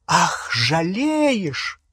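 A man's voice: huge pitch swings, very slow, sharp tone, slightly rough, no echo, studio quality, heavily acted. A man doing a shrieking furious teen witch. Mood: bitter sarcastic. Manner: shrill, screaming, sarcastic.

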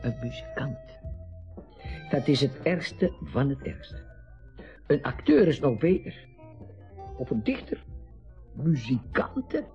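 A man's voice: mid-range voice, very animated, takes it slowly, long pauses, a little mellow, highs cut off. A man playing an aging, grumbling, worldly party guest in a naturalistic radio drama. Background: faint music.

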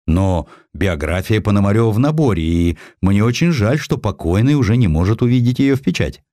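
A man's voice: lowish voice, lively intonation, fairly quick, warm tone, no room sound, studio quality, lightly acted. A man voicing a harried, courteous publisher in an audiobook, with formal and theatrical manners. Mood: regretful. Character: harried, polite male publisher, formal and anxious.

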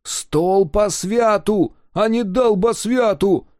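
Guy playing a worked-up peasant woodcarver, loud and high, jumpy, folk tale vibe. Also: a little slow, no echo, clean studio sound, exaggerated voice. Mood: indignant. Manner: loud, excited, high-pitched. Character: excitable peasant woodcarver man, curious, quick-tempered.

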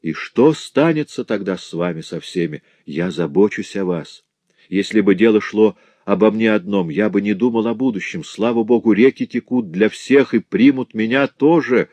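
A man's voice: lowish voice, moderate pace, darkish tone, dry recording, pitched above the performer's own voice, lightly acted. A man reading a novel aloud, voicing a poor, overworked jeweler in a despairing, pleading tone.

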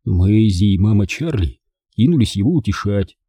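A man reading an audiobook aloud with lively, expressive storytelling. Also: on the low side, normal speed, husky, no echo, clean studio sound. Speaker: audiobook reader. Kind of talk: audiobook narration.

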